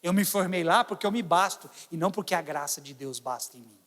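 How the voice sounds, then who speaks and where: Animated Brazilian pastor with a high voice. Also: male voice, fairly quick, big-room sound. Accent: Brazilian Portuguese. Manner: animated, swings between loud exclamations and quiet asides. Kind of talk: sermon.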